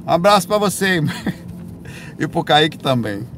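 A man with a slightly higher voice chats loosely on a live stream, often correcting himself mid-sentence. He rambles and then breaks into animated bursts. Music plays clearly behind him. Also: unhurried. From Brazil, raised in Bahia. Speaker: livestream host answering viewer questions. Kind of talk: casual live chat reading comments.

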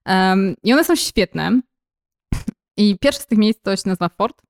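A woman's voice: mid-range voice, animated, a little slow. A young woman co-hosting a podcast in casual conversation, explaining things at length with frequent hesitations and fillers. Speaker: podcast co-host.

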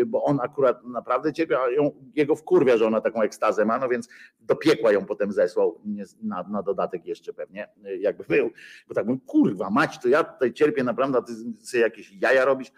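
A man riffing through a loose satirical monologue, mocking and crude. He swears freely and keeps stalling on filler sounds, restarting his sentences as he goes. His voice sits at an ordinary middle pitch. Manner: sarcastic, profane, full of hesitations.

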